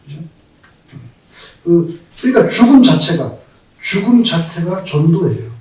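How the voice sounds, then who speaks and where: A male pastor preaching a sermon, telling stories in an animated way and acting out the quoted speech of the people in them. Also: high-pitched, moderate pace. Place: church sanctuary. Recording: very echoey hall, voice from far off.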